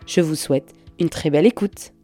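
A woman hosting a podcast, reading a scripted introduction in an even, read-aloud delivery. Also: deep voice, a little fast, no echo. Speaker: podcast host. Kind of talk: scripted narration. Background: soft background music.

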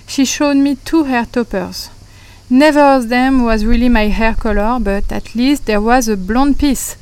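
A woman's voice: on the high side, a little slow, darkish tone, clear, resonant tone, low-quality recording. A woman in her thirties with a French accent, hosting a podcast and earnestly sharing a personal story, reflective and a little hesitant. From France. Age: 30s. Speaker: podcast host.

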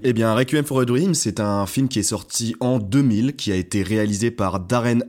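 A man's voice: medium pitch, a little fast, darkish tone. A young man co-hosting a casual podcast chat, playful and a bit long-winded, stumbling now and then over names. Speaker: podcast co-host.

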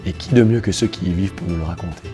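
A man's voice: deep voice, very fast, music in the background. A man hosting a podcast, reading a scripted introduction and then interviewing a guest in a friendly way, his voice a little worn. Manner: warm welcoming narration, then friendly questions. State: slightly lost voice. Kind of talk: scripted narration and casual interview.

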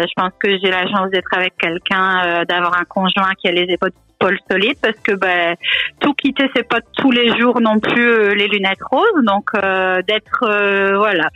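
Femme chaleureuse au léger accent canadien. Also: female voice, medium pitch, sharp tone, no room sound, muffled recording. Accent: French with a slight Canadian tinge. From northern France. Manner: chatty, many hesitations. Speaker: guest. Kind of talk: remote podcast interview.

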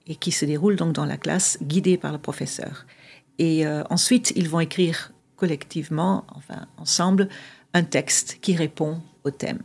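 Middle-aged woman interviewee, Dutch speaker, gravelly and husky voice, chatty but halting with fillers. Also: low-pitched, a little mellow. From Belgium (Flanders, near Ghent). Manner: hesitant, many fillers, searching for words. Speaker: guest, association founder. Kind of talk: casual conversational interview.

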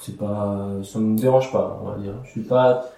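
Low-voiced young man, hesitant, echoey. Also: steady tone, normal speed, creaky, dark tone, far from the mic. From Iraq. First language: Aramaic. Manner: hesitant, many fillers and restarts. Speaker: interview guest. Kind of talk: casual interview.

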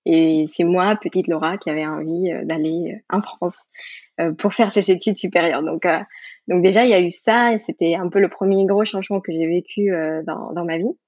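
A Mexican yoga teacher with a Mexican Spanish accent appears as a podcast guest, speaking thoughtfully with many fillers and restarts, and she laughs easily. Her voice is on the low side, steady and a little mellow at a moderate pace, in a dry, muffled recording.

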